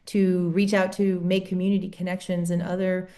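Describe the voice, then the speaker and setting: A woman presenting a project timeline in a steady, organized way. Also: lowish voice, moderate pace. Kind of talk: conference presentation.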